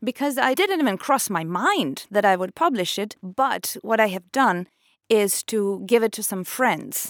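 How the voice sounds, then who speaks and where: A woman speaks in an Italian accent at a fairly slow pace, her fairly high pitch swinging very widely. The sound is dry and close, with no echo. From northeast Italy, near Trieste. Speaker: author and podcaster. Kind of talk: interview.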